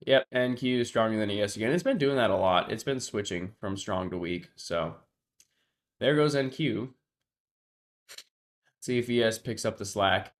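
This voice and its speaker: A man's voice: lowish voice, moderate pace, long pauses. A man with a congested nose talks casually on his live stream. He thinks aloud, talks to his chat and often trails off. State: congested, sniffling. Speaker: livestream trader. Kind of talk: casual livestream commentary.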